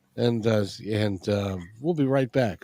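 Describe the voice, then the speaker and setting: A man talks in an American accent. Music plays in the background. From US Pacific Northwest, Seattle. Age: 60s. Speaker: radio talk show host. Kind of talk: radio interview. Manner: earnest.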